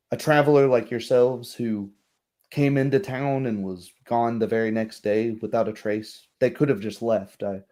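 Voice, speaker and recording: A man's voice: medium pitch, warm tone, lightly acted. A man voicing a courteous, concerned baroness in a tabletop game, formal and hesitant in speech. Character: courteous, concerned noblewoman, a baroness hosting guests.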